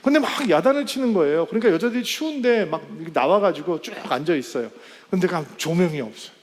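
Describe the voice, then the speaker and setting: A male pastor telling a story in a sermon, animated and acting out the quoted voices. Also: high-pitched, fast talker. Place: church sanctuary. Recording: church hall with long reverb.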